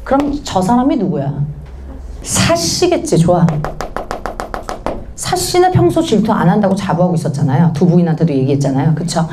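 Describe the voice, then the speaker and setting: A woman teaching Korean literature, reading a classic novel aloud and explaining it, quizzing students with quick questions and answering them herself. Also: fairly low pitch, animated, background noise. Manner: switches between reading aloud and casual explanation.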